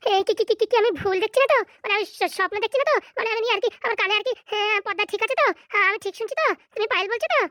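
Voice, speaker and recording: A voice artist voicing a broke, lovesick young drunk who stammers when excited. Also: racing, few pauses, no echo, clean studio sound. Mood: stunned. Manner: stammering, excitable, sped-up high cartoon voice.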